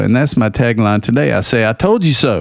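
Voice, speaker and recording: A man with a Texan accent speaks with lively intonation. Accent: Texan Southern American. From Southeast Texas, USA. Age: 60s. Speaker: crypto YouTuber. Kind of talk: casual talk to camera.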